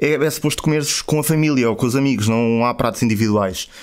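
A man talks in a European Portuguese accent. His pitch is medium and varies in an ordinary way. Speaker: traveller. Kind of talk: casual chat.

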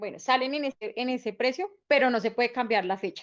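A woman speaks in a high voice with a quiet background. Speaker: participant asking about immigration. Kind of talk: group voice chat question.

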